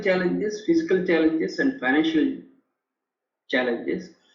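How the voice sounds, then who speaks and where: Audible room echo is present. It comes from a man talking. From India. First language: Telugu. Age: 50s. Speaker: leadership author and professor. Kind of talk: interview testimony. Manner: halting, many fillers and repeats.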